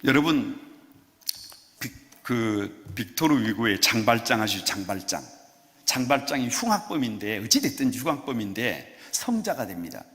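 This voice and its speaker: A male pastor preaching a sermon in a playful, animated way, coaxing the congregation to answer him. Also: medium pitch, moderate pace. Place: church sanctuary. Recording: long church hall reverb.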